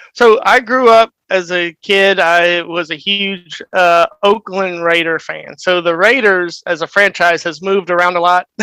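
A man with a Southern US accent speaks with hardly any pauses, his high pitch carrying a bright, sharp tone and fairly even intonation. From US South. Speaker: sports betting fan. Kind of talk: casual chat.

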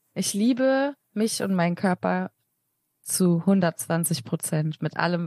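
Against a quiet background, a woman with a fairly low pitch and lively intonation speaks at a very slow pace, the sound dry and close with no echo. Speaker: model. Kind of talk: casual chat.

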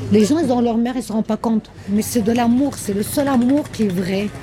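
A woman speaks over noticeable background noise. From Morocco. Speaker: passerby interviewed. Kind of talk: street interview.

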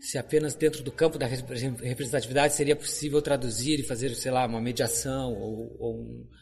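A man speaks at a moderate pace in a medium pitch with fairly even intonation. Music plays in the background. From Rio Grande do Sul, Brazil. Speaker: museology professor. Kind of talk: interview conversation. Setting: conference venue. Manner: gentle, soft-spoken.

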